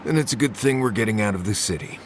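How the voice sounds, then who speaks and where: An actor playing a suspicious, blunt wilderness guide in a video game, with dry, sardonic grumbling. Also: male voice, on the low side, lively intonation, fast talker, background noise. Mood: wary, dry. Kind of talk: naturalistic video game dialogue.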